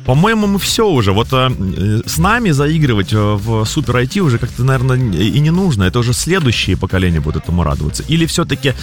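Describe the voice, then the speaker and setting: A man's voice: mid-range voice, very animated, quick pace, hardly any pauses. A man, co-hosting a casual morning radio show with jokey, self-deprecating banter. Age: 40s. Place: radio studio. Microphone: studio radio microphone.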